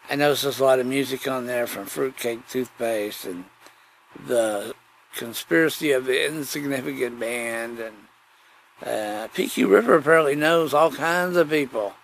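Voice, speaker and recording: A man's voice: mid-range voice, vocal fry, fairly bright tone, slight background noise. A man chatting casually on his own as a podcast host, folksy and digressive, often circling back to repeat his phrases. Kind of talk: rambling casual solo chat.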